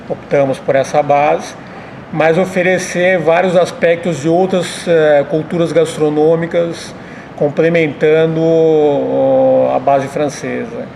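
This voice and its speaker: Answering an interviewer's questions, a middle-aged restaurant owner explains in a measured manner over quiet room noise. His slightly high voice has a creaky, somewhat dark tone.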